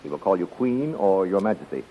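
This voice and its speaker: Big scheming servant, very low voice, smooth and courtly, old radio serial w/ muffled sound. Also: male voice, sing-song, a little fast. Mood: secretive, urgent. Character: powerfully built, smooth-talking, scheming male servant. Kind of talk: 1930s radio acting. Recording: muffled, hissy 1930s radio recording.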